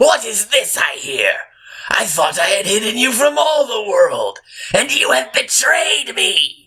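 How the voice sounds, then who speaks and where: A put-on character voice at a fairly slow pace. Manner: angry, accusing.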